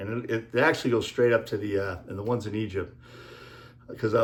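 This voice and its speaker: A man with a Boston accent speaks fairly quickly at a fairly low pitch, in a monotone, flat intonation. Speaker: YouTuber presenting alternative history theories. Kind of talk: casual monologue over slides. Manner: halting, many fillers; casual.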